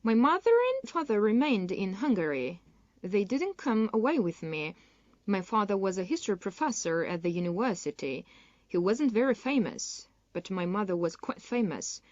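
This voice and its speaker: A woman playing a dancer interviewed for a magazine in a scripted listening-exam dialogue, speaking in a clear, measured way. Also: mid-range voice, sing-song, darkish tone, dry recording, muffled recording, natural voice. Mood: polite. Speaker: interviewee in a textbook listening recording.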